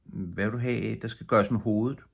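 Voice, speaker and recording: A man's voice: lowish voice, fairly even intonation, creaky, slightly rough, voice pushed up. A man doing a grieving devoted fishing boy.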